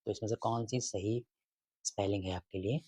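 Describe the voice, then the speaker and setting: A man with a low, slightly husky voice works through exam questions in a casual lesson. He repeats each item and quizzes his listeners as he goes. The recording is close and dry, with no room echo. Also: fairly even intonation, moderate pace, mellow. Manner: repeats questions and answers, asks students rhetorically. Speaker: exam prep teacher.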